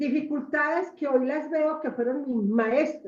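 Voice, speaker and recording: A woman talks at a very slow pace. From Colombia, raised in Medellín (paisa). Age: 60s. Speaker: therapist and spiritual contactee. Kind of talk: interview testimony.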